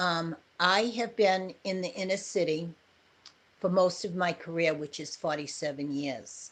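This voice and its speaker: Someone with an American accent speaks at a fairly slow pace with ordinary pitch variation, the background quiet. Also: woman, fairly low pitch for a woman. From Boston, Massachusetts. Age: 60s. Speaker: school nurse. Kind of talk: public testimony.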